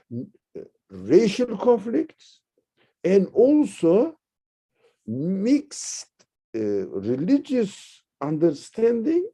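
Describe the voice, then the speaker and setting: A man from Turkey, teaching religion in a discussion, halting and searching for words, then rising sharply to stress key points. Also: fairly high pitch, vocal fry, mellow. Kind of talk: lecture-style discussion.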